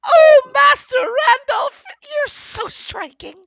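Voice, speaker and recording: A man voicing a fawning admirer who gushes at a knight, shouting in breathless adoration. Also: very high voice, takes it slowly, vocal fry, no echo, voice pushed up, heavily acted. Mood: adoring.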